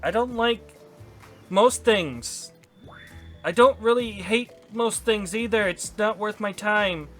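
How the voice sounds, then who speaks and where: A man doing a gloomy, deadpan young woman. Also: sits high, slow, faint music behind, pitched above the performer's own voice.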